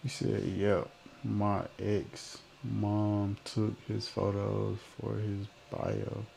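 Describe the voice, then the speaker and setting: Young memphis guy streaming, deep gravelly voice, laid back slang, trails off a lot. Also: little pitch movement, drawn-out words, dark tone, slight background noise, poor audio. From Memphis, Tennessee. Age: 20s. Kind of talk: casual live-stream chat reading comments.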